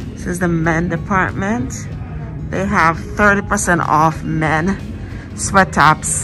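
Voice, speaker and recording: Clear music plays in the background. A woman speaks at a very slow pace. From Jamaica. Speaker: shopping haul vlogger. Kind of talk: casual shopping vlog narration. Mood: warm, pleased. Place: shop. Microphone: phone near.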